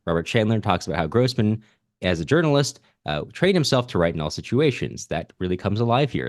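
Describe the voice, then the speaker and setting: A man with a low-pitched voice speaks as a podcast host. He moves between reading comments aloud and offering measured, reflective commentary. The recording is close and dry. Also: no echo.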